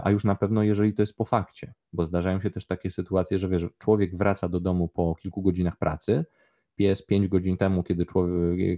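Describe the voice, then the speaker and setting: A man's voice: deep voice, mellow, highs cut off. A man, a dog trainer, explaining at length in a podcast conversation, with many fillers and restarts.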